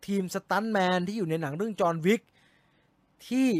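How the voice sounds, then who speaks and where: High-voiced chatty male movie host. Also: no room sound. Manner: chatty, quick jumps into excited exclamations. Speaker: movie news show host. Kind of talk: casual movie news recap.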